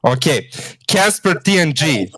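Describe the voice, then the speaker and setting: Fan caller from bosnia, excitable and fawning, high voice. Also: male voice, a little slow. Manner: eager, fawning, slangy. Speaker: fan calling in.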